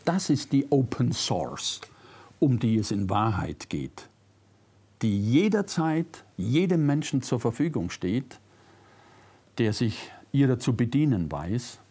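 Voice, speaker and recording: An older man with a faint Bavarian-Swabian German accent, reading a prepared lecture as a philosopher, measured and reflective, lifting his voice on key words. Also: mid-range voice, very animated, dark tone, slightly rough. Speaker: philosopher giving a public lecture. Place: lecture room, seated at a desk. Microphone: lapel mic.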